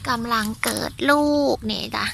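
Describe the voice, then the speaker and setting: A woman's voice: moderate pace, noisy background. A woman with an Isan accent giving a chatty walking tour of her vegetable garden, exclaiming and talking straight to her viewers.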